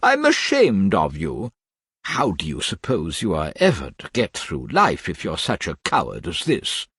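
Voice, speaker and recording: A man's voice: low-pitched, wildly swooping pitch, measured pace, fairly bright tone, slightly rough, dry recording, studio quality, heavily acted. A man voicing a fussy, vain middle-aged mother in a storybook reading, prim and simpering as she scolds. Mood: prim fluster.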